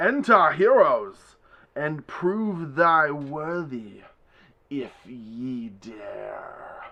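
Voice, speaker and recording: A man's put-on character voice, raised, projected and booming, fairly high in pitch, with very wide pitch swings at a very slow pace. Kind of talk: archaic fantasy speech.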